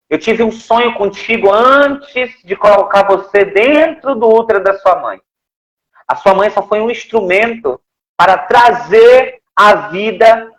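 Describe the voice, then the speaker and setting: A man doing the voice of a loving God, slow and gentle, with a Brazilian accent. The voice sits high and each reassuring phrase is drawn out. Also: poor audio. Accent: Brazilian Portuguese.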